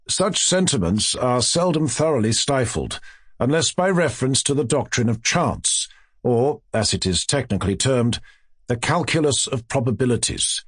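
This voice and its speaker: Male audiobook narrator for classic fiction: formal, highly varied intonation, very dry recording. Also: no echo.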